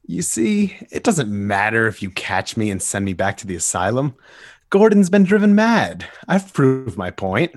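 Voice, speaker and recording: A man's voice: medium pitch, very animated, normal speed, dry recording, studio quality, voice pushed down. A man voicing a mad clown villain from a comic book, gloating and philosophical in a theatrical, taunting monologue. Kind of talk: dramatic comic book reading.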